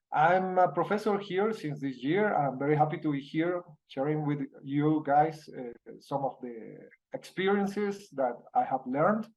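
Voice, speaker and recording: A man with a Colombian Spanish accent, a native Spanish speaker giving an online university lecture in English over a video call, halting with many fillers and restarts. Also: on the high side, darkish tone, low-quality recording. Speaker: university professor.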